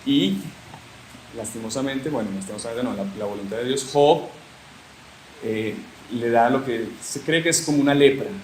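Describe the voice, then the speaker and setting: A man with a Uruguayan accent gives a teaching talk, retelling scripture as a lively storyteller with joking asides. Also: mid-range voice, normal speed. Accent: Uruguayan Spanish. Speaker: religious formation speaker. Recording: echoey room with faint hiss.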